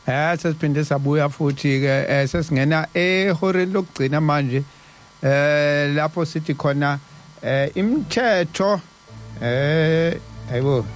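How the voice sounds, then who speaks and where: Casting: male South African radio host, slightly high voice, casual, stumbling repetitive delivery, music underneath. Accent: South African Zulu-speaking. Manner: halting, stammering over repeated syllables. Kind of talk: casual live radio talk. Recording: music behind the voice.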